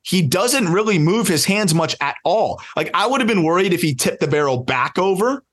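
A man's voice: high-pitched, expressive, moderate pace, fairly bright tone. A man co-hosting a podcast, talking animatedly in casual chat, often laughing and restarting his sentences. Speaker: podcast co-host, prospect analyst.

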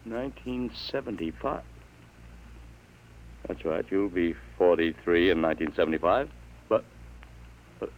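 An actor playing a bewildered, worried father in a 1950s radio drama, halting and incredulous, with emphatic delivery. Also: sits low, poor audio. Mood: worried, puzzled. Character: bewildered, stern but worried father of a teenage boy.

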